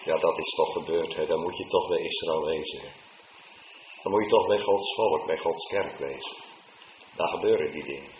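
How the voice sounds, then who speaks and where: A man preaching a sermon to his congregation in church, now and then rising into loud, high, drawn-out calls. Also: reverberant, lo-fi sound, a little hiss or hum. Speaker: pastor.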